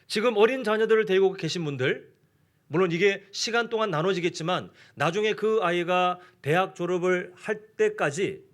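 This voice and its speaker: A man's voice: sits high, fairly bright tone. A man preaching a sermon in a church, talking conversationally and putting questions to the congregation. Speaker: pastor. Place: church sanctuary.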